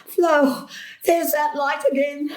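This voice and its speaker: High, slow, muddled elderly grandmother. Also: little pitch movement. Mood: alarmed. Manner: fretful, slightly muddled. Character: confused, jittery elderly grandmother, easily spooked. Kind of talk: drama acting.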